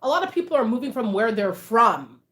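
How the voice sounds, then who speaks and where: A woman's voice: a little high, sing-song, a little fast, fairly bright tone. A woman, chatting casually with livestream viewers, reading out their comments and laughing often. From Canada. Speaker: livestream host.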